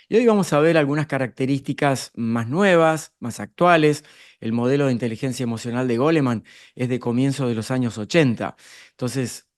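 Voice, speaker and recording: An Argentine man speaks at a middle pitch, explaining ideas about leadership to a live audience. He talks in an explanatory way, turning to the room with rhetorical questions. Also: clean tone. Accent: Argentine Spanish. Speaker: speaker on leadership and emotional intelligence.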